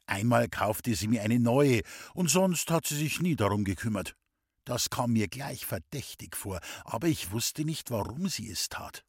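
A man reading a humorous story aloud in the first person, with a lively, cheeky telling. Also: mid-range voice, husky, no room sound, studio quality. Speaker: audiobook reader.

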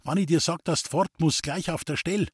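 A man voicing a hot-tempered young farmer's son who talks in Bavarian dialect, urgent and hoarse as he barks orders. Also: on the high side, animated, normal speed, no echo, studio quality, pitched above the performer's own voice. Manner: urgent, commanding, hoarse shouting.

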